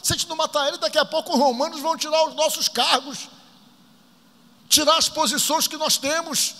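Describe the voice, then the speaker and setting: A man preaching puts on a band of scheming male elders, frightened of losing their posts and whispering murder among themselves. The voice climbs high and tense, with a sharp, bright edge. It rings out in a long church reverb. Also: fairly even intonation, brisk, exaggerated voice. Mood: alarmed. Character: scheming male religious authorities, fearful and plotting.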